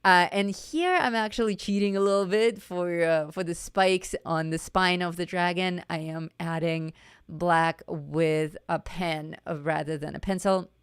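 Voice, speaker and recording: A woman teaching art on a live stream, her voice slightly low, with a gravelly fry that is getting hoarse, yet smooth and clear. She chats casually, restarting and repeating her words. The sound is dry and close. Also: unhurried, no room sound. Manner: chatty, self-correcting, repeats words. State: voice going hoarse. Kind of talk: live-stream coloring lesson.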